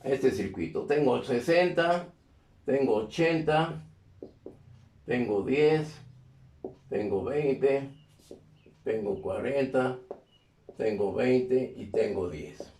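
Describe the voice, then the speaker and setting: A male teacher giving a live electronics class, often pausing to ask students if they follow. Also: medium pitch, darkish tone, slight background noise. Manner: constantly checks in with questions to the class. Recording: echoey classroom.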